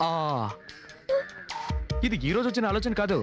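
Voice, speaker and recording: A man's voice: high voice, steady tone, moderate pace, music in the background, lightly acted. An actor playing a wily small-time con man in jail, sarcastic and wheedling. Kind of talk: Telugu film comedy acting.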